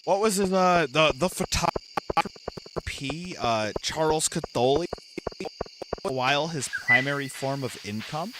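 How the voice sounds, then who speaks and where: A man with a raspy voice streaming a co-op farming game, chatting loosely and drifting into pop-culture tangents. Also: a little high, unhurried. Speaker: co-op gaming streamer. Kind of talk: casual gameplay banter. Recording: steady background noise.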